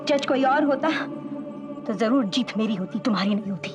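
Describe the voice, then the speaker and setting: Bitter, accusing TV-serial woman played by an actress, slightly high voice, deliberate and dramatic, score playing behind. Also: lively intonation, close to an everyday voice. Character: bitter, accusing woman blaming a rival for her brother's death. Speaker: actor in a TV serial. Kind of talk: Hindi TV melodrama acting. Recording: TV drama with prominent background music.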